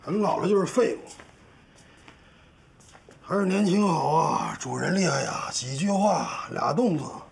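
Gravelly, grumbling old father. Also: on the high side, lively intonation, measured pace, pauses often, noisy background, exaggerated voice. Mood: sarcastic, self-pitying. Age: 60s. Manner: querulous, sarcastic. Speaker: actor in a television family drama. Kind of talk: naturalistic TV drama dialogue. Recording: prominent music behind the dialogue.

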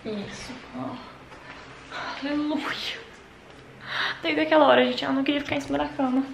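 A woman talks to her viewers in a casual, chatty vlog, filmed on a phone in a bedroom at night. Her voice sits fairly high and often sinks into a hushed murmur. The room echoes around her, with faint ambient noise underneath. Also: fairly even intonation, normal speed, vocal fry. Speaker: vlogger caring for her mother at night.

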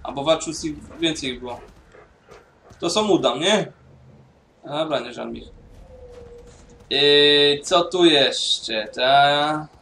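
Slow, mumbling Polish gamer man. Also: fairly high pitch, bright, forceful tone, distant mic, slight background noise. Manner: mumbling to himself while playing; casual, swears freely. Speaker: gaming YouTuber. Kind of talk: casual let's-play commentary.

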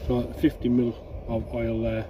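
A man's voice: medium pitch, completely flat delivery, unhurried, lo-fi sound. A man giving a casual, unscripted step-by-step cooking narration outdoors, thinking aloud as he goes. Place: outdoors at a woodland camp, beside a cooking pan. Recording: distant mic, loud sizzling frying noise. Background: frying and bubbling food.

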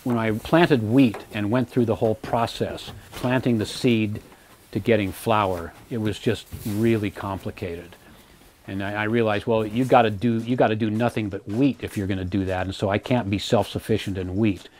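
A man in his eighties giving a relaxed, rambling tour of his homestead, often repeating words while he thinks, on a lapel mic with faint background noise. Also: fairly low pitch, moderate pace. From United States. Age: 80s. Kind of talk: casual tour talk. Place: outdoor garden and home pantry.

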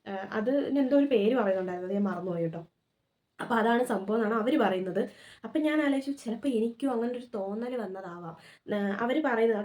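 A woman, telling her own experience as a casual vlog story, with animated, lively retelling. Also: a little high. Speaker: vlogger.

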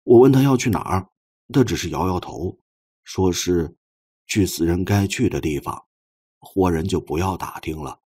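一名男播讲者在有声小说里扮演一个腼腆笨拙、真诚而怀着哀思的年轻男人，说话磕磕绊绊。. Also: male voice, deep voice, expressive, dark tone, husky. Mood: quiet sorrow. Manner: halting, stammering, awkward. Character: shy, clumsy, earnest young man, tenderly grieving. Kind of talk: audiobook character dialogue.

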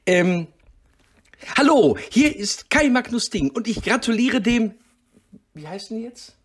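Male guest for a comic monologue: husky, very animated pitch, muddled, keeps breaking off to mutter to himself. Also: a little slow. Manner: muddled, self-interrupting, muttering asides to himself. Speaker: guest giving a congratulatory message. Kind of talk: rambling comedic monologue.

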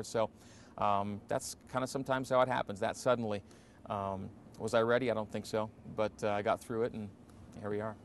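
Forties male announcer, low voice, easygoing interview answers, faint hiss underneath. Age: 40s. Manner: relaxed, reflective, many fillers. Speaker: play-by-play radio announcer. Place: empty indoor basketball arena.

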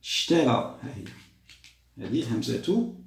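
A man, teaching a grammar lesson to young children patiently, repeating and drawing out words slowly. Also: medium pitch, animated, gravelly, mellow. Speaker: primary school teacher. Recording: roomy echo.

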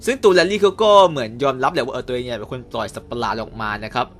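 A young man casually recapping and reviewing a cartoon episode, chatty with quick asides. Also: medium pitch, very animated, slight background noise.

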